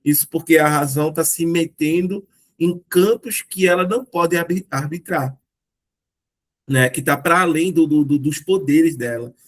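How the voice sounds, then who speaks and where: A Brazilian man leads a relaxed philosophy discussion, his voice sitting a little high for a man. He works through ideas patiently and keeps asking rhetorical questions, tagging his sentences with little checks for agreement. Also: normal speed. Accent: Brazilian Portuguese. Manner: explanatory, rhetorical questions, frequent "né". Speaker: discussion group host.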